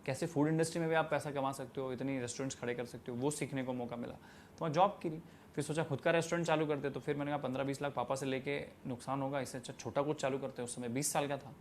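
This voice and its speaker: A man's voice: medium pitch, fairly even intonation, quick pace, slight background noise. A young man in his twenties giving emphatic, preachy interview answers about starting a tea stall business, dropping in English phrases. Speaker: guest, tea stall entrepreneur.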